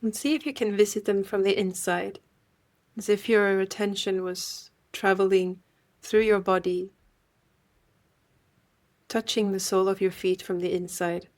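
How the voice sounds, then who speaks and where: Female meditation guide, medium pitch, gentle and unhurried delivery with generous pauses. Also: fairly even intonation.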